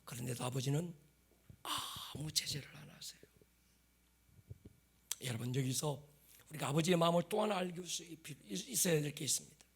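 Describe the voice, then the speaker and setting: A middle-aged male pastor preaching a sermon in a church, dropping to hushed whispers and rising to shouts. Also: a little high, normal speed, long pauses, slightly rough. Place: church sanctuary.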